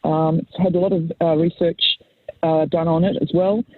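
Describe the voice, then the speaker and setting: Husky-voiced woman on a tinny line. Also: fairly low pitch, little pitch movement, moderate pace, dry recording. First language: Italian. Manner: eager, with frequent um and uh fillers. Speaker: company CEO panelist. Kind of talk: webinar panel discussion.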